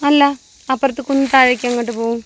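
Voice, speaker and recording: A woman's voice: high-pitched, fairly even intonation, racing, slight background noise. A woman chatting to viewers while climbing a hillside plantation with her small daughter, a little out of breath. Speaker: vlogger and mother. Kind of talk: casual vlog narration while walking.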